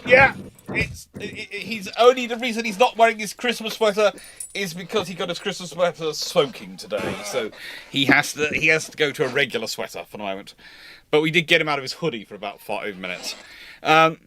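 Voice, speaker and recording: A man's voice: a little high, brisk, a crowd in the background. A man hosting a live question-and-answer chat casually, rambling and often restarting his sentences. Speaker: host of a live naval history question show.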